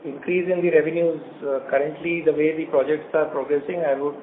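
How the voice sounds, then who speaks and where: A male company executive with an Indian accent speaks in a fairly high voice over a narrow phone line. His delivery is formal and measured, with halting phrasing, as he addresses investors. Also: steady tone. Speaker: company executive on an earnings call. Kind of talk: prepared business remarks and investor answers. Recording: phone-like conference line with faint noise.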